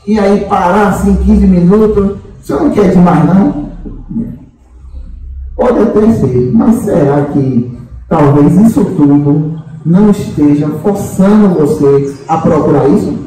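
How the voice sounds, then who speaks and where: Speaking to a group as their spiritual guide, a man keeps things chatty and teasing, with fillers and tag questions throughout this informal talk. His high-pitched voice is warm and measured in pace. The recording comes from a distant microphone in a large meeting hall, so he sounds far off and very echoey.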